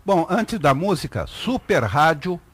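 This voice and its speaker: A man's voice: a little high, big pitch swings, a little slow, breathy edge, no room sound. A Brazilian man co-hosting a radio talk show, giving emphatic, opinionated commentary in a casual chat. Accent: Brazilian Portuguese.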